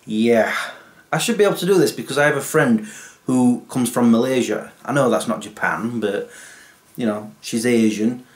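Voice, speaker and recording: A man, chatting casually to camera in a self-mocking, animated way from a small home office. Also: mid-range voice, moderate pace. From England. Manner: self-mocking, animated, waves hands while talking. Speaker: YouTuber. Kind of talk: casual vlog chat to camera.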